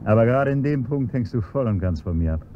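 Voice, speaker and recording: An actor playing a scheming chauffeur who slides from servile politeness into cold, mocking blackmail, on a dull, faintly hissy radio-play recording. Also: male voice, medium pitch, lively intonation, quick pace, lightly acted. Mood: menacing. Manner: polite and servile, then coolly mocking and menacing. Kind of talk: 1970s-style German radio play acting.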